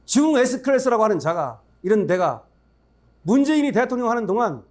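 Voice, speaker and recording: High, lively-voiced man giving a fiery speech. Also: moderate pace. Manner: emphatic, rhetorical questions to the audience; blunt, scornful asides. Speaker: forum speaker. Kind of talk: political speech.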